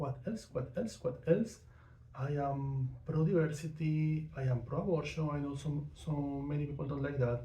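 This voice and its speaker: A man's fairly high, fairly even voice in a Venezuelan accent at a fairly slow pace, with audible room echo and noticeable background noise. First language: not English or Spanish. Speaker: vlogger on witchcraft. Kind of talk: casual monologue. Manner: halting, many fillers.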